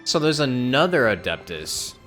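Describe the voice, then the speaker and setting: A woman's voice: rumbling low, sing-song, moderate pace, over music. A woman live streamer giving casual reaction commentary while playing a video game.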